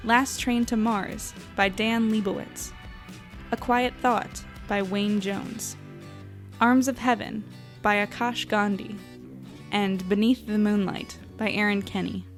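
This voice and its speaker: Woman reading podcast credits. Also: medium pitch. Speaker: show creator reading credits. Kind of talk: scripted narration.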